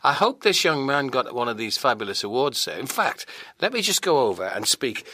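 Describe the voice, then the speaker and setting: A male radio host who gushes with praise and doubles up his words for emphasis. His voice is bright and forceful, recorded close and dry with no room sound. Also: medium pitch, very animated, brisk, no echo. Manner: effusive, repeats words of praise. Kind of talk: on-air interview.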